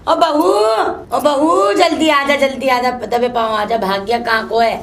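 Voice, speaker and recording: This solo comedy piece features a woman as a nagging elderly mother-in-law, shrilly cursing and complaining all the while. She speaks in a natural voice at a measured pace.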